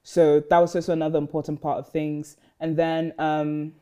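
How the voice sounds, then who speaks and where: A woman's voice: low-pitched, moderate pace, smooth, muffled recording. A young woman from Ghana, a podcast guest, chatting casually and rambling with lots of "like" and "um". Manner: relaxed, rambling, many "like" and "um" fillers. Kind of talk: casual interview chat.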